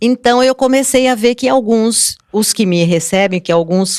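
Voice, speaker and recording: A woman in a Brazilian accent speaks at a moderate pace, with a dry, close sound and no echo. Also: very clean recording, silent background. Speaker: church elder, volunteer. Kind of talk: podcast interview, testimony.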